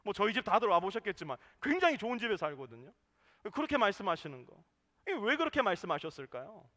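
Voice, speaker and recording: A male pastor preaches in a high, bright voice that swings widely up and down. He is animated and sometimes acts out the voices of members of his church. A long reverb trails behind him in the sanctuary. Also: fast. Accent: Korean. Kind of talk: sermon.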